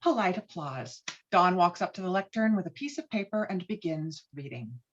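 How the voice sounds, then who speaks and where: A woman's voice: on the low side, lively intonation, moderate pace, muffled recording. A woman reading screenplay stage directions as scripted narration, on video-call audio.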